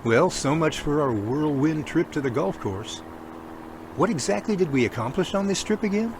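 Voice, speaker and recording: A man's voice: fairly high pitch, animated, normal speed, noisy background. A man playing a skeptical, wry investigator's sidekick in an audio drama, with a questioning, dry manner. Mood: wry, doubtful. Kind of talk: amateur audio drama dialogue.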